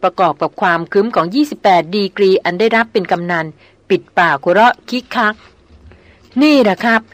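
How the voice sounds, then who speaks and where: A woman's voice: mid-range voice, quick pace, a bit bright, dry recording. Woman narrating a novel audiobook.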